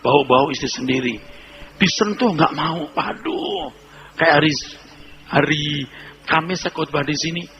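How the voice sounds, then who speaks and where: A male pastor preaching a humorous sermon, telling lively stories and acting out little scenes. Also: a little high, unhurried, long pauses, dull audio, a little hiss or hum.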